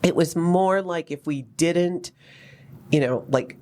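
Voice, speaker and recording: A woman's voice: lowish voice, takes it slowly. Candid woman from Hawaii telling her story. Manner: candid, animated, wry storytelling with many asides. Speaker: podcast host. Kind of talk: personal storytelling chat.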